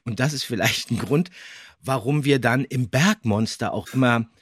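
A man's voice: medium pitch, moderate pace, breathy edge, dry recording, studio quality. A man hosting a podcast, talking conversationally and emphatically about radio drama history. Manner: enthusiastic, emphatic. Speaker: podcast host and voice actor.

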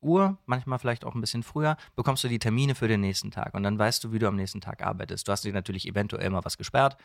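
A low-voiced man with a creaky edge speaks in a conversational interview. He explains his trade matter-of-factly, repeating words for emphasis. The sound is very dry and close. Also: quick pace, dry recording. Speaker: guest, voice actor and dubbing director.

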